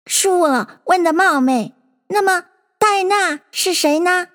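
A woman's voice: very high voice, slow, fairly bright tone, big-room sound, pitched above the performer's own voice, heavily acted. A woman voicing a courteous parrot in a storybook reading, speaking politely. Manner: polite, sighing.

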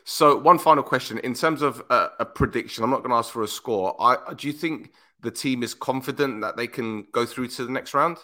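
A man's voice: mid-range voice, a little fast, few pauses, bright, forceful tone. A man interviewing a guest about football, chatty and informal, rewording his questions as he goes. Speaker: interviewer, host.

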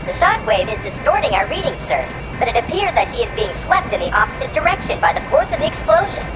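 A woman's voice: a little high, sing-song, fast talker, poor audio. A woman playing a polite, pedantic non-human science officer, formal and precise, in a comic audio drama. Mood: dutiful. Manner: formal, precise, over-technical. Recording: music behind.

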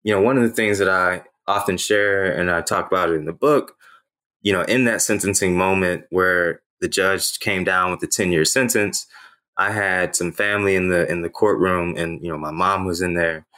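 A man's voice: low voice, fairly even intonation, normal speed, bright, forceful tone. A man in his thirties whose first language is Haitian Creole, an author telling his own story as an interview guest in an earnest, reflective way with frequent "you know" fillers.

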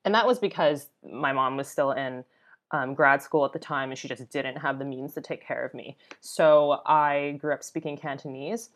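Podcast guest: American woman, low register, chatty first-person storytelling with acted-out quotes. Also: normal speed. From Boston, United States. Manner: conversational, often uses "like", acts out quoted remarks. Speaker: podcast guest, travel blogger. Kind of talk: casual personal storytelling in interview.

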